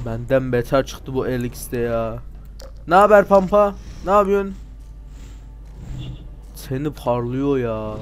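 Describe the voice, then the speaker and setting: A man giving casual gameplay commentary, excitable and sarcastic, talking back at game characters with sudden loud outbursts and grumbling asides. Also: medium pitch, a little slow, pauses often, smooth. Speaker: let's play gamer.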